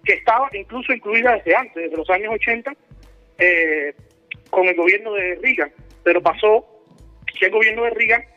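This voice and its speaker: A man from Cuba phones in to a talk show. His voice sits high and comes through dull and muffled, with faint music under it. He explains his point in a steady, earnest way. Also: moderate pace. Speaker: caller. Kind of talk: phone-in call.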